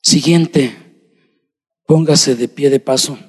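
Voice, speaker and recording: Husky preacher in a reverberant church. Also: male voice, medium pitch, fairly even intonation, slow. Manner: swings between shouting and hushed speech; addresses the congregation directly. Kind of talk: sermon. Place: church sanctuary. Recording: long hall reverb.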